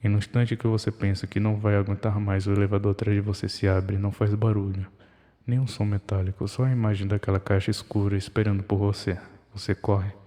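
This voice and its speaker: Man, low voice, horror story narration, measured ominous phrasing, long hall reverb. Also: level tone, mellow. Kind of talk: scripted second-person horror narration.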